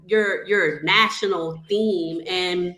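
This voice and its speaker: A woman's voice: fairly low pitch, fairly even intonation, slow pace, sharp tone, reverberant, slight background noise. A woman hosting an interview show, chatty and enthusiastic as she welcomes and questions her guest. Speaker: podcast host.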